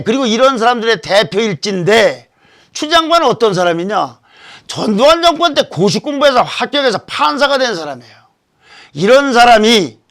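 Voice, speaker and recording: A man's voice: very high-pitched, a bit bright. A man hosting a political commentary show, talking emphatically and posing rhetorical questions into a studio microphone.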